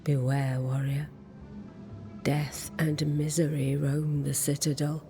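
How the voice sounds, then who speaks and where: A woman voicing an ancient, cryptic merchant in a video game, with a breathy, creaky voice and a measured, ominous delivery. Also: low-pitched, flat delivery, music in the background, exaggerated voice. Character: ancient, cryptic mystical merchant warning travelers. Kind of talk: video game character acting.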